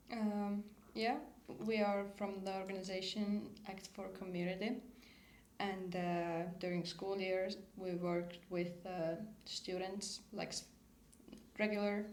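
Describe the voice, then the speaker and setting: A woman at medium pitch, monotone and flat, very slow with long, frequent pauses, amid audible room echo and noticeable background noise. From Estonia. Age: 20s. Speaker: volunteer. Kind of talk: podcast conversation. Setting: studio.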